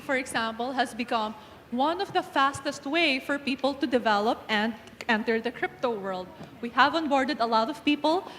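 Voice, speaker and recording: A woman's voice: sits high, a bit bright, a little hiss or hum. A woman from the Philippines moderating a live panel on stage, upbeat and welcoming. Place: large event hall on stage. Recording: long hall reverb, faint crowd ambience.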